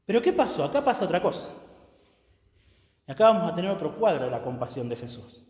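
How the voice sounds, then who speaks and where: A man preaching a sermon as pastor, emphatic, swinging between loud declarations and hushed lines, often checking in with the congregation. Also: high-pitched, sing-song, fast talker. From Argentina. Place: church sanctuary. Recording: echoey church hall with long reverb.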